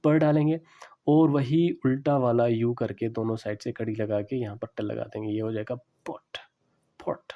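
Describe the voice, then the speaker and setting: A man giving a classroom lecture on English pronunciation, explaining slowly and repeating the example words. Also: mid-range voice, flat delivery, muffled recording.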